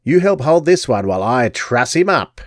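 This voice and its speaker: A man's voice: medium pitch, very animated, normal speed, no echo, studio quality, close to an everyday voice. A man voicing a stooped old gypsy crone who cackles and croons menacingly. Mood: crooning.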